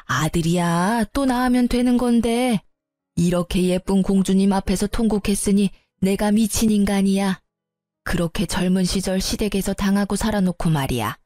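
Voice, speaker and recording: A woman's voice: medium pitch, normal speed, darkish tone, no echo, studio quality, soft background music, natural voice. A woman voicing a fond, repentant old grandmother who coos over a baby and apologizes in a storybook tale. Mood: apologetic. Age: older. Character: doting repentant old mother-in-law.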